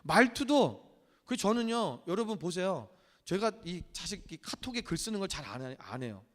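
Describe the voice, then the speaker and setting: A male pastor preaching a sermon, animated and acting out the voices he quotes. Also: high voice, normal speed. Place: church sanctuary. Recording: church hall with long reverb.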